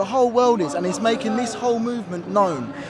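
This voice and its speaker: Very fast and high-pitched, a man talks with ordinary pitch variation amid noticeable background noise and audible room echo. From England. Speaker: rally attendee. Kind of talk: street interview. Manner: animated.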